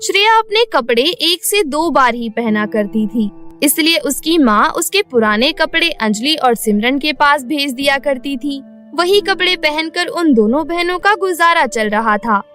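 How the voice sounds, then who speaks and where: A woman's voice: high-pitched, lively intonation, unhurried, a bit bright, faint music behind. A woman narrating a scripted bedtime cartoon story as its storyteller.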